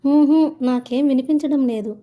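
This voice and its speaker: A woman voicing a flustered young woman who shouts into a phone and pretends she cannot hear. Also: medium pitch, flat delivery, measured pace, dull audio, lightly acted. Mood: flustered shouting. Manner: raised, loud, panicky.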